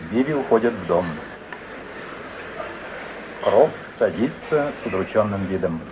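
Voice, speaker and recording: A man's voice: on the low side, animated, a little slow. A man narrating stage directions for a radio play in a scripted, old broadcast style. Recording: dull, noisy old radio recording.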